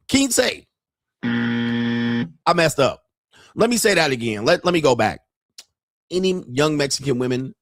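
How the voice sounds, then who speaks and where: A man's voice: on the high side, fairly bright tone, dry recording, studio quality. Joking man hosting a commentary stream. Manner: joking, rambling, slangy. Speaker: podcast host. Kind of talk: casual commentary livestream.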